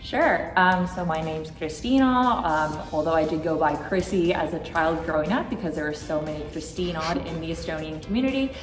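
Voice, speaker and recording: Woman, 30s, low-ish voice, reflective, echoey hall, faint music behind. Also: a little fast, few pauses. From Toronto, Canada. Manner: reflective, with frequent ums and likes. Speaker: interview guest. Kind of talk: conversational interview answers.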